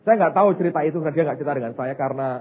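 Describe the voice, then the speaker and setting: A man from Indonesia preaching a sermon as pastor, telling stories and calling his listeners "saudara". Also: very fast. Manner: acts out a child's excited voice in high bursts. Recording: phone-like narrow sound with faint music.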